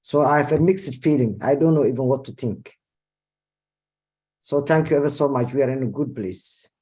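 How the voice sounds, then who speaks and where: A man with a Somali accent speaking on a group call, halting with many uhs and thanking everyone. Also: medium pitch, warm tone, husky. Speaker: participant on a call.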